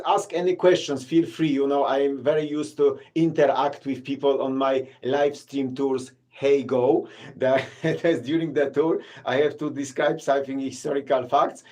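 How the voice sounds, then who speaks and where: A Polish tour guide talking casually to his live-stream viewers in accented, halting English full of fillers and restarts. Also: medium pitch, darkish tone. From Poland. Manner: halting, many fillers and restarts, non-native grammar. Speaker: city tour guide and vlogger.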